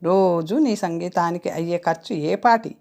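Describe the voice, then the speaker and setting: A woman's voice: fairly low pitch, measured pace, a little mellow. A woman voicing an older mother, kindly but scolding, as she reads an audiobook story, with a raised, chiding tone. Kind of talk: audiobook character reading.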